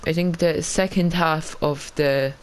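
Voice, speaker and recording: Man, podcast co-host, slow deliberate talk, hesitant, lots of ums. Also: a little high, steady tone, clear, resonant tone, poor audio. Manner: halting, hesitant, pauses with ums. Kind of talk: casual podcast chat.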